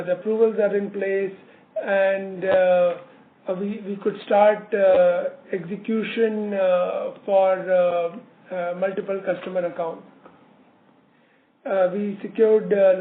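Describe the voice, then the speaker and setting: A man presenting company results as an executive on a business call, halting often with many filler words. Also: sits high. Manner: halting, hesitant delivery with frequent filler words. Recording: narrowband phone line, roomy echo, slight noise.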